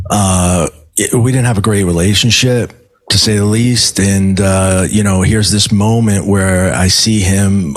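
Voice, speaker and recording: A middle-aged man speaks as a podcast guest, recounting a personal experience in a halting flow that doubles back on words and restarts sentences. His voice sits low and sounds a little husky. The recording is dry and close, with no room sound around him. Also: no echo. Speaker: podcast guest, medium and life coach. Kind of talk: telling a personal story in conversation.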